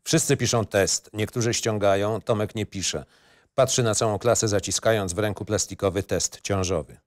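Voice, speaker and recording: A man's voice: fairly low pitch, fairly even intonation, moderate pace, no echo, clean studio sound. A man narrating a screenplay in short, matter-of-fact phrases. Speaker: narrator reading stage directions. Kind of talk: scripted narration, screenplay reading.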